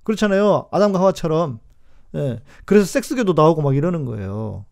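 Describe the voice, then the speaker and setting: A man's voice: fairly high pitch, big pitch swings, a little fast, gravelly, a little mellow. A man in his forties, a pastor hosting a live stream, teaches in a chatty, emphatic way, repeating key words and answering viewers' comments as he goes.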